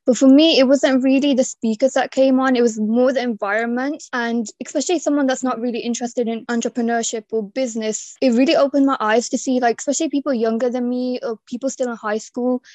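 A woman's voice: fairly high pitch, steady tone, fast talker, hardly any pauses, darkish tone, no room sound. A young woman, a guest intern, speaking thoughtfully and searching for words.

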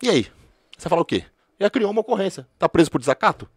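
A man races through his stories as a former police officer, full of slang and repeated filler words. His voice is medium in pitch and recorded close and dry, with no room sound. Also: big pitch swings, fast, husky, no room sound. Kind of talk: casual podcast conversation.

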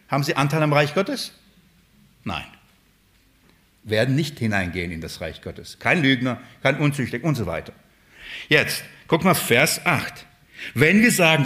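Emphatic German-speaking preacher. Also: male voice, fairly high pitch, sing-song, normal speed. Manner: emphatic, swings between loud and hushed; addresses the congregation with rhetorical questions. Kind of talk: sermon.

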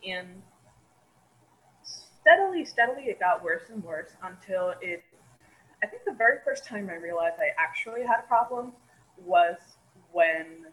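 A woman's voice: medium pitch, lively intonation, unhurried, long pauses, poor audio. A young American woman telling her personal story in a casual, rambling and reflective way. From United States. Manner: rambling, reflective, many "you know" fillers.

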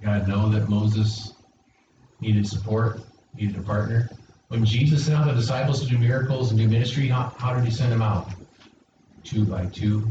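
In a church sanctuary, a male pastor's lowish voice at a normal pace comes through a muffled, dull recording made far back in a very echoey hall, with background noise. He draws the congregation in by asking questions and prompting replies.

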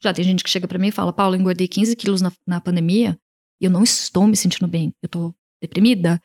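A Brazilian woman with a Brazilian Portuguese accent, an image consultant answering interview questions in an animated way, often voicing what her clients say. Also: fairly low pitch, quick pace. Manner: animated, talks in quoted client voices.

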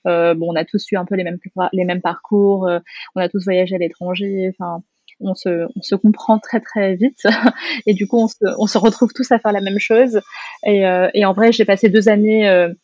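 A woman's voice: mid-range voice, fairly even intonation, moderate pace, darkish tone, dry recording, highs cut off. A woman in her thirties, born and raised in France, chatting casually as a guest and filling her talk with hesitations and tu vois. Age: 30s. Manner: casual, many fillers and tu vois. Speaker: guest, restaurant founder. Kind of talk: casual interview chat.

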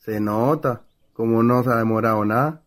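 A man's voice: medium pitch, normal speed, close to an everyday voice. An actor playing a superstitious, gossipy young country man in a radio play, earnest and folksy, with a rural Chilean accent. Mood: exasperated. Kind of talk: stage-style radio play acting.

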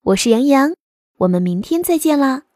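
A woman's voice: sits high, expressive, moderate pace, a little mellow, dry recording, clean studio sound. A woman hosting a children's show, telling a fireside bedtime story expressively and speaking directly to young listeners.

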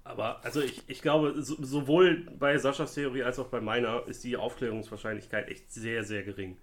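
A man with a mid-pitched voice chats casually as a podcast co-host. He is joking and speculative, rambling through his theories. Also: steady tone, moderate pace. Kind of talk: casual chat about a crime case.

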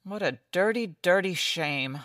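A woman playing a melancholy, melodramatic rich lady in a noir radio play, speaking gravely with dramatic pauses. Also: fairly low pitch, animated, a bit bright, dry recording, studio quality. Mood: anxious, sorrowful. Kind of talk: old-time radio noir acting.

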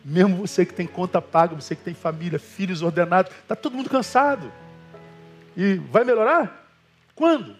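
Animated male pastor preaching to a congregation. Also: high-pitched, moderate pace, soft background music. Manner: animated storytelling with quoted voices; colloquial, addresses listeners as brother. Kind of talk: sermon.

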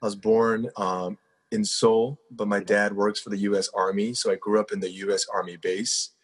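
A man's voice: lowish voice, little pitch movement, normal speed, husky. A man in his twenties, a pastor and guest from South Korea, telling his story in an earnest, conversational way with plenty of fillers. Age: 20s. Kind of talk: casual interview storytelling.

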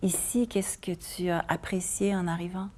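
Brief: woman interviewer, mellow tone, friendly and prompting. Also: fairly low pitch, level tone, moderate pace. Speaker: community TV host. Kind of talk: interview host. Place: community TV studio.

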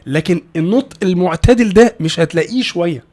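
Fast-talking Egyptian man, higher voice. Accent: Egyptian Arabic. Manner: animated, fast, many restarts and repeated words. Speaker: English pronunciation teacher, guest. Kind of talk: casual podcast conversation.

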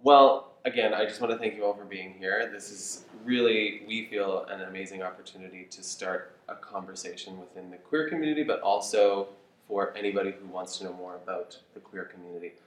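A man's voice: low voice, steady tone, a little fast, reverberant, far from the mic, rough recording. A man hosting and moderating a panel discussion, encouraging the guests with frequent "mm-hmm" and "yeah". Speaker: podcast host and moderator.

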